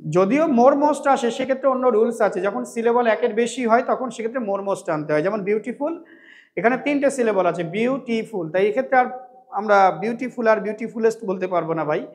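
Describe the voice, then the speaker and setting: A male English teacher at a coaching centre from West Bengal, giving a classroom lecture on translation. He asks and answers his own questions and slows down to dictate English sentences word by word. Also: high-pitched.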